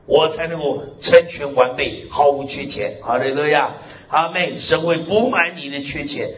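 A man's voice: a little high, moderate pace. A man preaching a sermon as pastor, emphatic, with frequent hallelujahs and amens. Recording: echoey hall, dull lo-fi sound.

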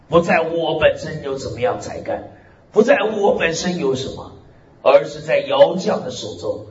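A man preaches with lively, sweeping pitch, stretching out key phrases and dropping in amens and hallelujahs. His voice sits a little on the high side. The recording is slightly muffled, with a faint hiss underneath. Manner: swings pitch widely, drawls key phrases. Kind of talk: sermon.

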